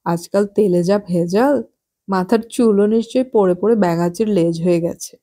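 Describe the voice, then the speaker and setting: A woman voicing a nosy, gossipy well-off married woman in an audiobook, chatty and sharp-tongued. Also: mid-range voice, normal speed, lightly acted. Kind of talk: audiobook character voice.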